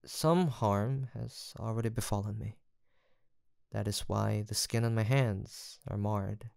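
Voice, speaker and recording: Low-voiced, gentle fantasy apothecary, acted by a man. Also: slow pace, gravelly, clear, resonant tone, dry recording, studio quality. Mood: solemn, determined. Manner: formal, courteous, hesitant, soft-spoken. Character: gentle, earnest, guilt-haunted male apothecary in fantasy village. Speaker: voice actor in an audio roleplay. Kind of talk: soft, sweet roleplay acting addressed to the listener.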